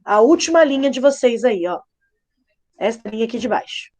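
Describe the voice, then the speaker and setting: A woman with a high voice teaches children in a live online lesson. She is patient and playful, and she breaks every point into slow, clear steps. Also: expressive, darkish tone. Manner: playful, patient, spells things out slowly. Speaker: primary school teacher.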